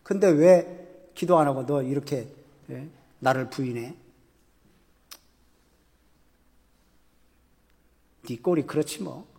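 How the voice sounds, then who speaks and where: A man's voice: medium pitch, moderate pace, gravelly, dark tone, husky. A man voicing a stern male teacher who scolds his disciple with reproachful questions, in a reverberant church hall. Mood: scolding.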